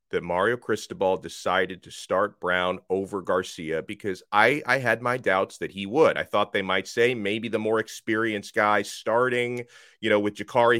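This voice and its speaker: A man hosting a college football podcast, slightly hoarse, talking with emphatic energy that rises toward near shouts. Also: lowish voice, no echo, studio quality. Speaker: sports podcast host. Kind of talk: college football talk with ad read. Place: radio studio.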